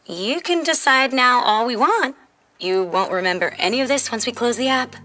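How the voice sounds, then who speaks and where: Bright, sassy teenage girl. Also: a little high, animated, normal speed, faint music behind. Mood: wry. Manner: sarcastic, casual teen phrasing. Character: sassy, world-wise fifteen-year-old girl from the future. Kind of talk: audio fiction drama acting.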